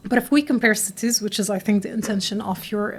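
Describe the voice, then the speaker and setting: A woman's voice: mid-range voice, fairly even intonation, very fast, slightly rough. Arabic-accented woman giving earnest interview answers. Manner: earnest, fluent with frequent restarts. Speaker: podcast guest.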